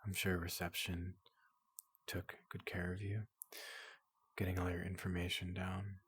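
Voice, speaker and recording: A big, kindly robot doctor acted out by a man speaks in a very husky, hushed ASMR voice, close and dry. The delivery is slow and soothing, polite and reassuring, with a breathy near-whisper throughout. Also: low voice, monotone, no room sound, heavily acted. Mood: soothing, welcoming. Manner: slow, gentle, reassuring, repeats questions softly.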